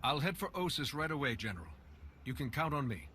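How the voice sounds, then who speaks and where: An actor playing a composed, confident Jedi commander in a game cutscene. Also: male voice, medium pitch, sing-song, fairly quick, bright, forceful tone. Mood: resolute.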